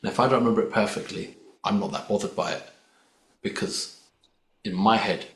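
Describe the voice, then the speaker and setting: A singer appearing as a podcast guest speaks in a fairly low, fairly quick voice, in an echoey room with faint ambient noise. His first language isn't Hindi or Urdu, and in casual conversation he's reflective and easygoing, drawing on sports comparisons.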